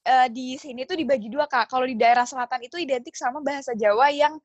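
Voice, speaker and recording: A woman's voice: high-pitched, quick pace, no echo. A young woman, chatting casually and explaining things with spoken examples. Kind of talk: casual chat. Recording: dull, muffled sound.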